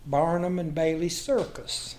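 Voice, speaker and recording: An older man, telling folksy anecdotes in an unhurried way, in short phrases with pauses. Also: fairly high pitch, steady tone, darkish tone, a little hiss or hum. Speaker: guest storyteller.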